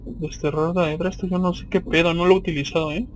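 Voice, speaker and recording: A man's voice: a little high, fairly even intonation, fast, slight background noise. A man with a Mexican accent giving casual, slangy, profanity-laced commentary as he plays a video game.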